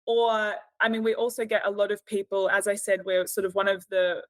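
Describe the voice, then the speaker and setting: A woman's voice: mid-range voice, steady tone, a little fast, dry recording. A woman in her thirties from Australia with an Australian accent, chatting as a podcast guest and hedging often with "sort of" and "you know". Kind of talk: casual interview chat.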